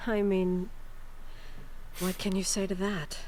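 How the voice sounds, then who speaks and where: A woman's voice: medium pitch, little pitch movement, takes it slowly, darkish tone, a little hiss or hum, lightly acted. A middle-aged woman playing a tender, wistful foster mother who narrates her memories in a video game cutscene. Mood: reflective, tender.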